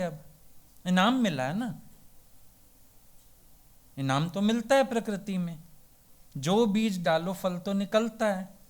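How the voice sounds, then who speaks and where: Unhurried high-voiced preacher telling parables. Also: male voice, a little mellow. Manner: storytelling with rhetorical questions; folksy and plain-spoken. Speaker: spiritual teacher. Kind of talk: devotional sermon.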